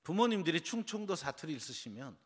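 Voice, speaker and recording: A pastor from Seoul, South Korea, preaches an early-morning sermon, his fast, slightly rough voice sitting on the high side with a sing-song lilt. He engages the congregation with quiz questions, and the church sanctuary gives a long reverb.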